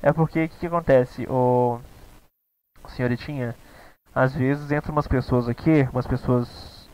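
A man's voice: mid-range voice, steady tone, a little slow, darkish tone, clear, resonant tone, rough recording. A young man with a Brazilian Portuguese accent, teaching a live online English class in a casual, chatty way, often checking in with his students.

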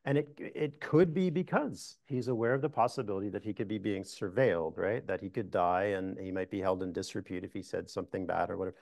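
A middle-aged man, a historian, answering audience questions in a meeting room, measured and thoughtful with frequent restarts. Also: low voice, gravelly, a little mellow, dry recording. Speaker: historian giving a talk. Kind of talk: lecture Q&A answers.

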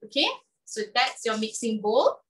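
A woman's voice: fairly high pitch, expressive, moderate pace, far from the mic. A woman giving a chatty live cooking demonstration in a kitchen, often checking in with "okay?".

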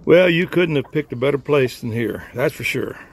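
An actor playing a courteous, chatty small-town police captain in a radio drama, with a husky, gravelly voice. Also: male voice, mid-range voice, animated, moderate pace. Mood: friendly.

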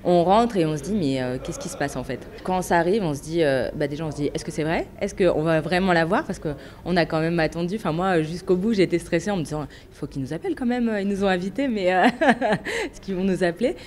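A woman co-owner of a restaurant speaks in an interview, excited and quick to laugh. Her voice sits a little low for a woman, with faint background noise on the recording. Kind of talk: interview answers.

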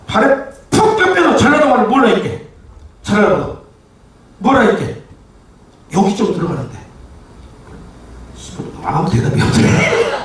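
A brash, profane man works a live crowd in a high, swooping voice, breaking into laughter and barking at stagehands. The sound comes from a camera far off in a very echoey hall, with a faint noisy haze behind it. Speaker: pumba street-comedy performer. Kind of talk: live stage banter with audience.

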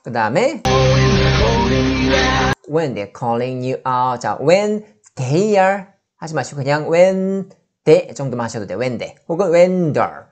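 Slow, careful Korean woman teaching pronunciation. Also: low voice, sing-song, a little mellow, soft background music. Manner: slow, careful demonstration of lyrics, breaking phrases apart. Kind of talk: pop song pronunciation lesson.

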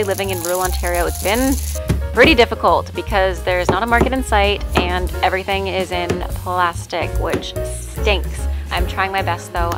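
A young woman narrates a day as a vlogger does, chatty and casual. She speaks at a medium pitch and wanders into little self-mocking asides, with music clearly playing behind her. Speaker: vlogger, ballet dancer and fitness teacher. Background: background music.

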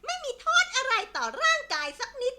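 A woman voicing a frizzy-haired witch who sells pies, with a shrill, cackling, theatrical voice, in a children's storybook. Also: big pitch swings, brisk, pushed and bright, exaggerated voice. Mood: defiant.

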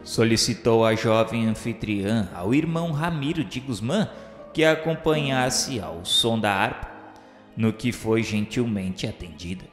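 A man reading a radio novela narration in a solemn, florid, measured literary style. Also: lowish voice. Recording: echoey long reverb over music. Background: music.

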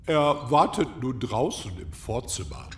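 Actor as fussy deferential butler, formal audio drama delivery, slow, animated intonation. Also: male voice, mid-range voice, roomy sound, faint music behind. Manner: formal, deliberate, polite. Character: deferential, fussy, slightly dim castle butler. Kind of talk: German audio drama acting.

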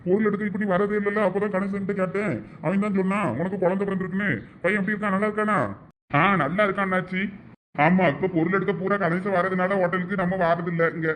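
A man with a Thoothukudi Tamil accent, talking quickly in a high voice, friendly and persuasive. A faint outdoor ambience and light hiss sit behind him. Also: a bit bright. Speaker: villager asking a shopkeeper for a job for a youth. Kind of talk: village comedy drama acting.

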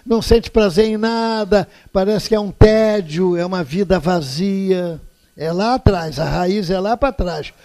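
Older man, high voice, mellow tone, earnest lecture, storytelling in a hall. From Brazil. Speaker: lecturer at a spiritist center. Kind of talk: public lecture with anecdotes. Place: indoor lecture hall, standing before an audience.

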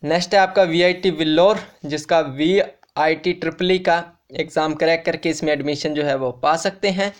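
A man's voice: a little high, steady tone, moderate pace, few pauses. A man presenting an informal explainer for students, speaking straight to viewers as friends and restating each fact more than once. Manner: repetitive, restates facts, addresses viewers as friends. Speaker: education YouTuber.

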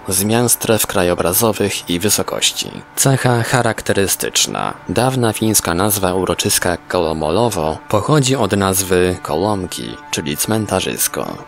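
A man's voice: low voice, creaky. A man reading a scripted article as a documentary narrator. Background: background music.

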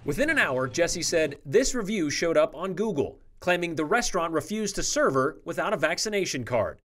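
A man's voice: on the high side, very animated, normal speed, fairly bright tone, in a large hall. A middle-aged man presenting a scripted TV news report in a studio, with an emphatic anchor delivery. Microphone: lapel mic.

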